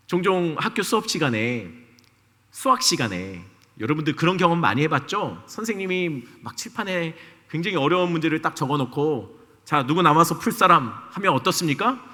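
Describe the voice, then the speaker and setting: A man's voice: on the high side, sing-song, brisk, sharp tone. A male pastor preaching a sermon in a church, telling a story with energy and putting questions to the congregation. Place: church sanctuary. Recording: long reverb of a church hall.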